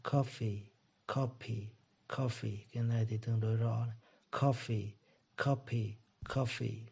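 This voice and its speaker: A man teaching English pronunciation, repeating each word slowly before explaining it. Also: medium pitch, steady tone, vocal fry, a little mellow, slightly rough. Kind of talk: pronunciation lesson. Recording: dull lo-fi recording.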